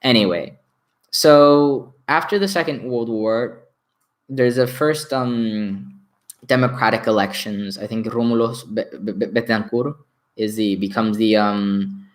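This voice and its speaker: A man's voice: fairly low pitch, measured pace. A young man from Venezuela, a native Spanish speaker, talking casually on a home livestream with many restarts and fillers. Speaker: live stream host. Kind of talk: casual history livestream talk.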